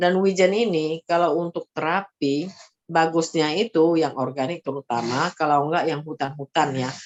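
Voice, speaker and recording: Her pitch is very deep and low for a woman, with ordinary variation. She keeps a moderate pace. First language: Mandarin (speaking Indonesian). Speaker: health product seller and online class teacher. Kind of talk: online class presentation. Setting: video call. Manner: hesitant, many fillers.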